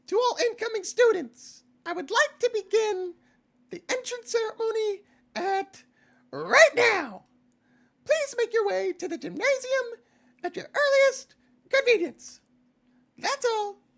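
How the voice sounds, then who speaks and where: An extremely high, squeaky put-on character voice speaks at a fairly slow pace. Long, frequent pauses break up the speech. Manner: deranged, unhinged.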